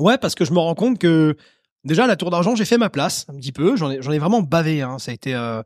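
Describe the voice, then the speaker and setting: A man with a Norman accent talks at a fairly quick pace in a fairly high voice with very wide pitch swings, recorded very cleanly and dry and close with no echo against a silent background. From Normandy, France. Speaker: chef. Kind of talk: interview. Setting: outdoors on a seaside terrace. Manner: halting, many fillers and repetitions.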